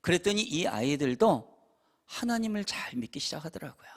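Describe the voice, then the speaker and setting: A pastor in his fifties delivers a revival sermon in a church sanctuary. His voice sits high for a man and leaps up and down as he tells family stories. He acts out the parents and the children as he goes. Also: normal speed. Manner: animated storytelling, acting out parents and children.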